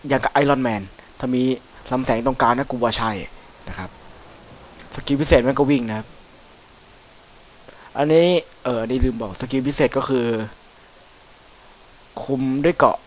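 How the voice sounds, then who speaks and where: A man's voice: medium pitch, normal speed, long pauses, slight background noise. Chatty man commenting on gameplay. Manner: chatty, swears freely, excitable whoops. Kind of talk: casual let's-play commentary.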